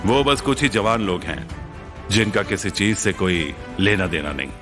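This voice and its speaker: A stern middle-aged father in a dubbed film. His voice sits very low. He explains things slowly and with firm authority. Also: expressive, music in the background.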